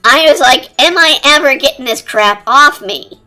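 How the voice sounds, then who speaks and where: A streamer talking through a high-pitched chipmunk voice changer in rambling, casual chat while drawing. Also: lively intonation, normal speed. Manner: rambling, chatty, lots of fillers. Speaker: art streamer. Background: quiet cafe-style background music.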